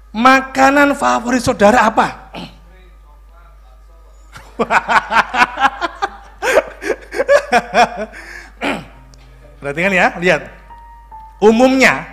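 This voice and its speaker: A male pastor, preaching a lively sermon full of jokes and questions to the congregation. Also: high voice. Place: church.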